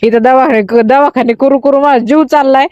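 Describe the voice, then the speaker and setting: A woman's voice: fairly even intonation, normal speed, darkish tone, no room sound, lo-fi sound. A woman vlogging outdoors on a family farm with a phone, speaking, congested from a cold and chatting away, often cooing at her baby. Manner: chatty, coos at the baby in a high voice. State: stuffy nose from a cold. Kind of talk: casual vlog narration.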